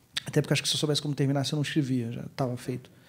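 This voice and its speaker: Someone talks at a very fast pace with monotone, flat intonation. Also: man. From Brazil, Rio de Janeiro. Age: 30s. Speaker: novelist; guest. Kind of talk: interview monologue; interview answer. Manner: halting, many fillers and repetitions. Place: stage. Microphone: handheld.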